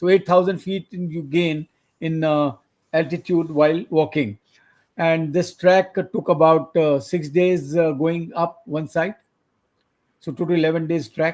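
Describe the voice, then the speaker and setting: Over a silent background in a very clean recording, a man speaks at a fairly slow pace. His voice is high-pitched, with fairly even intonation. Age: 60s. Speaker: trekker. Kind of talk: interview. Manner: halting, many fillers.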